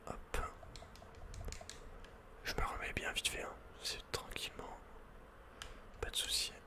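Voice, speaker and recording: Speaking slowly in a breathy, unvoiced whisper, a man gives playful, laid-back ASMR commentary on a video game. He stays close to the mic.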